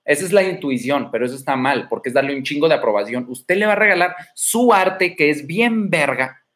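A man's voice: fairly high pitch, animated, fairly quick, a bit bright. Blunt, swaggering Mexican man. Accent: Mexican Spanish. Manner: blunt, crude and swaggering, lots of slang and rhetorical questions. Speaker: dating advice livestream host. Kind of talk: casual livestream advice talk. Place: indoor room at home. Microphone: streaming from home.

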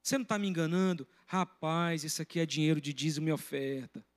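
A middle-aged man preaching a sermon as pastor, telling a personal story with lively, animated delivery. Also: on the high side, quick pace. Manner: storytelling, breaks into loud shouting when retelling a confrontation.

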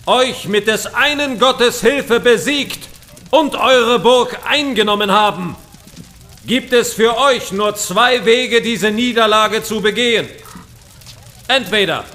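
Ein Schauspieler spielt in einem historischen Hörspiel einen strengen, siegreichen dänischen König, der feierlich und gebieterisch verkündet. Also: male voice, very high voice, pushed and bright, heavily acted. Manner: solemn, declamatory, proclaiming. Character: victorious medieval Danish king, stern and commanding. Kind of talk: historical audio drama acting.

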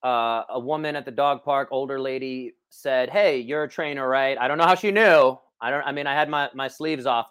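A man's voice: medium pitch, brisk, hardly any pauses, a bit bright, clean tone. A man, a personal trainer, chatting energetically on an online call, with many restarts. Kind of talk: casual podcast chat.

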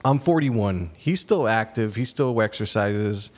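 A man's voice: on the low side, lively intonation, measured pace. A man in his forties hosting a podcast, talking earnestly in casual chat. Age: 40s. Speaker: podcast host.

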